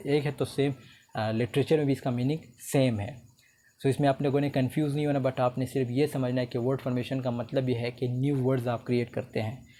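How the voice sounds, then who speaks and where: A man giving a recorded lecture, reading English definitions slowly and explaining them in a relaxed conversational way. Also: mid-range voice, slight background noise. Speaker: teacher.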